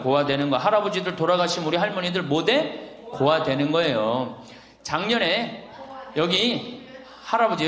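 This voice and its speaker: Middle-aged male priest, high lively delivery, playful lecture, long hall reverb. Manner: lively, teasing, rhetorical questions to the audience. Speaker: Catholic priest giving a lecture. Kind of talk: humorous lecture to elderly audience.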